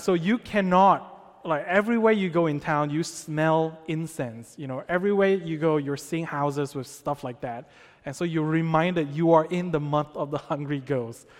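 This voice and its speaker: A young man from Malaysia preaching in a church in a casual, conversational way, checking in with the congregation often. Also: a little high. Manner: conversational, with many fillers and check-ins. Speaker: pastor. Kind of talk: sermon. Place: church sanctuary. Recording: long hall reverb.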